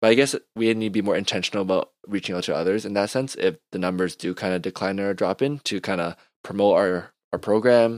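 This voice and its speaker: A man with a Canadian accent talks very fast in a fairly low voice with fairly even intonation. The recording is very clean with a silent background and a dry, close sound with no echo. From Scarborough, Toronto, Canada. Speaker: church basketball team coach. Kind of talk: casual chat.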